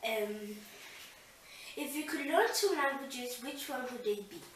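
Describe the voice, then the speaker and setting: A woman's voice: sits high, lively intonation, measured pace, fairly bright tone, heavy reverb, recorded from a distance, a little hiss or hum, poor audio. A woman playing interviewer, reading out short questions in a plain way. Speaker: interviewer, younger sister.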